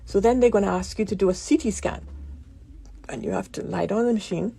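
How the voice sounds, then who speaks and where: A woman physician giving a radio interview, with a croaky voice from a damaged vocal cord nerve, explaining things calmly with many pauses. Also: mid-range voice. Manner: calm, explanatory, pauses often.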